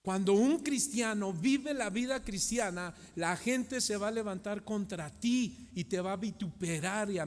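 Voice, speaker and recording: A middle-aged Mexican pastor preaching a sermon, asking the congregation questions and moving between loud and hushed delivery. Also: male voice, high voice. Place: church hall. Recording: long church hall reverb.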